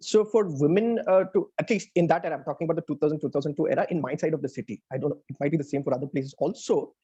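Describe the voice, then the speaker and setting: A man with an Indian accent talking reflectively in a casual interview as a writer, often pausing to search for words. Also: on the high side, warm tone, husky. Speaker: interviewed audio playwright. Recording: dull, band-limited audio.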